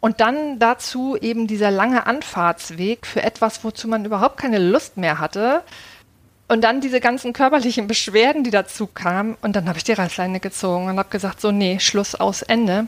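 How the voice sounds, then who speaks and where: Her voice is an unremarkable speaking voice, fairly high for a woman, with ordinary pitch variation and a moderate pace in a dry, close sound with no echo. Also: very clean recording, silent background. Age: 50s. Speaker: former bank employee changing careers. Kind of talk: interview.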